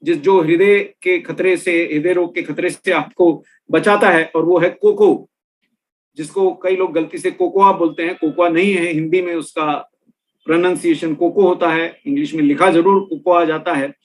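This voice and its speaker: A man's voice: on the high side, fairly even intonation, moderate pace. A middle-aged man presenting a health and nutrition talk, explaining step by step and speaking straight to his listeners. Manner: explanatory, addresses listeners directly. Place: room with products on shelves behind.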